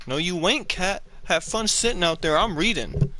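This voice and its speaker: A man's voice: sits high, expressive, moderate pace, noisy background. A man hosting a casual podcast, cursing freely and joking while reading fan fiction. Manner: profane, joking, easily laughing. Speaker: podcast host.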